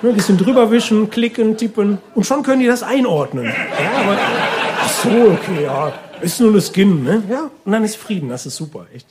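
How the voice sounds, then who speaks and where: A man's voice: sits high, animated, fairly quick, crowd noise. A man delivering a conversational stand-up comedy monologue in short, casual phrases and chatty asides.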